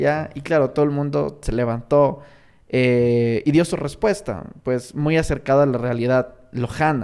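Against a quiet background, a man with a normal speaking voice talks fairly slowly at a fairly high pitch. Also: ordinary pitch variation. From Ecuador, Loja; Ecuador. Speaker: entrepreneur; podcast guest. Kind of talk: casual chat. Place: studio. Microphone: studio mic.

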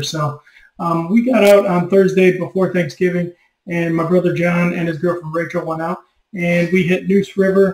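A man's high, monotone voice, flat in intonation and fairly quick, with audible room echo. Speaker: fishing channel host. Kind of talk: casual vlog chat. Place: home room. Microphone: webcam.

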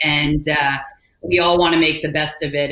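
A woman sounds enthusiastic with a very deep, low pitch. Audible room echo surrounds her voice. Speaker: webinar host. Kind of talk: interview. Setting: video call. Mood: warm, enthusiastic. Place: home room. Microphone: webcam.

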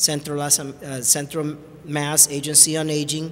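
Man's flat, monotone delivery. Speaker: nonprofit executive; agency representative presenting to council. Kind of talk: formal presentation. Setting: podium in council chambers. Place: hall. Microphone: podium.

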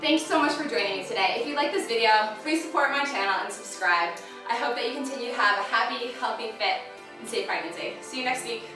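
Over clear music in the background and audible room echo, a woman speaks at a very fast pace in a high pitch. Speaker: prenatal fitness instructor. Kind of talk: workout instruction. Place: home room. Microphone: camera far.

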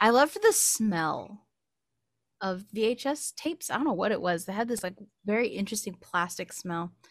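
A woman speaks at a medium pitch and a moderate pace. The background is quiet. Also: lively intonation. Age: 20s. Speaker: podcast co-host. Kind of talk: casual chat. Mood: nostalgic, amused. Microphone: studio mic.

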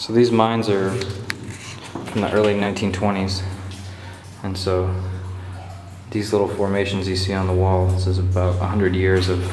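At a moderate pace, a man talks in a very deep, low, monotone voice with flat intonation and noticeable background noise. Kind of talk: casual exploration commentary. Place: tunnel cave. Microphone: phone near.

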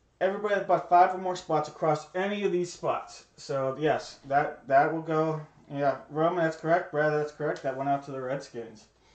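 In an upbeat tone, a man with a fairly high pitch talks with hardly any pauses, and audible room echo surrounds his voice. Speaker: sports card break host. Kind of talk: live pitchman-style sales stream, upbeat and rapid-fire. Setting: live video stream. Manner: upbeat, casual. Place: home room.

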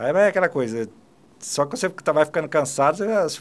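A man talks with a Brazilian accent. His intonation is lively and his pace fairly quick. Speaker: army veteran. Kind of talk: podcast interview, casual storytelling. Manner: animated, informal with slang. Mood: cheerful, joking anecdotes. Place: studio. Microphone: studio mic.

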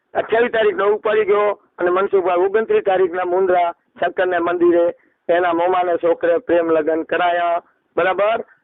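A man with a high pitch delivers his words in a monotone, flat intonation at a very even loudness. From Kutch, Gujarat (Rapar taluka). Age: 60s. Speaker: distressed father calling a social worker. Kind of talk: phone call telling his family problem. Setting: phone call.

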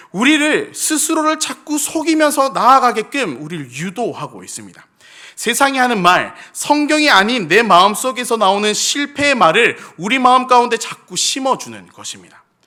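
Extremely high in pitch, a man's bright, sharp voice is raised and projected at a moderate pace, with very wide pitch swings and big shifts in loudness. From South Korea, Gyeongsang province. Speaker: pastor. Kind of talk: sermon.

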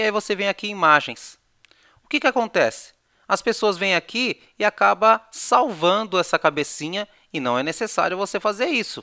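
A man projects his high voice, raised and bright with a sharp tone, at a moderate pace and with lively intonation. The sound is dry and close with no echo, on a very clean recording with a silent background. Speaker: software course instructor. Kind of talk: tutorial. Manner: casual, conversational.

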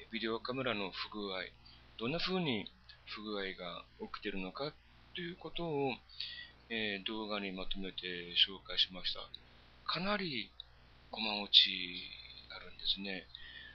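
Pitched fairly low, a man speaks at a fairly slow pace with long, frequent pauses. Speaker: video blogger. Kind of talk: casual vlog chat. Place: home room. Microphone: headset.

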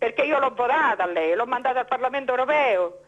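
A woman with a high-pitched voice speaks at a fairly quick pace. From Italy, Frosinone. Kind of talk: phone-in complaint. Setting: phone call. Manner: animated.

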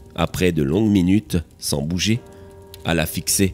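Music plays in the background as a man talks at a very deep, low pitch and a fairly slow pace, his intonation lively. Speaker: storyteller narrator. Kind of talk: story narration.

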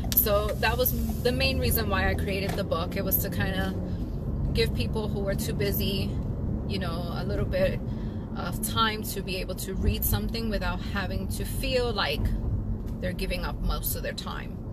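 Loud background noise fills this dry recording with no echo. A woman talks at a moderate pace. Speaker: vlogger. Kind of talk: casual vlog chat. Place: car. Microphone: phone near.

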